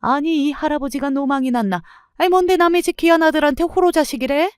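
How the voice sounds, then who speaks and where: Woman doing a high shrill mother-in-law, rude, scornful, dry close recording. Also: animated, a little slow, dry recording, natural voice. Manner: shrill, scornful, shouting back.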